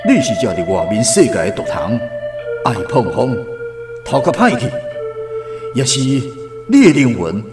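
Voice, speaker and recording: A Taiwanese-accented actor playing a hot-tempered, mocking tribal rival in a radio drama, with a taunting delivery. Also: male voice, mid-range voice, huge pitch swings, moderate pace, long pauses, roomy sound, loud music behind the voice. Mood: angry, accusing. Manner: taunting, derisive.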